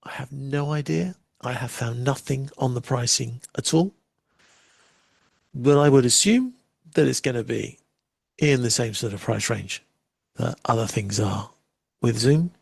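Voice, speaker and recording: A man hosting a live software demo, chatting casually and making wry asides while he waits. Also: medium pitch, a little slow, creaky, pauses often, husky, no room sound. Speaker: livestream host demoing software.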